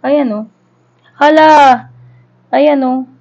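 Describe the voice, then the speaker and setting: Woman, thirties, Filipino accent, fairly high voice, nostalgic casual vlog chat, dull lo-fi recording. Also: drawn-out words, darkish tone. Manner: nostalgic, informal, conversational. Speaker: vlogger unboxing a collectible. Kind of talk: casual chatty Taglish vlog. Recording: dull lo-fi sound.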